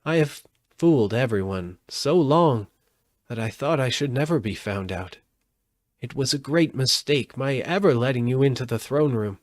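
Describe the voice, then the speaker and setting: A man's voice: mid-range voice, expressive, normal speed, no echo, voice pushed up, close to an everyday voice. A man reading a storybook aloud, voicing a meek, cowardly little old humbug wizard with a trembling, pleading voice. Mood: anxious confiding.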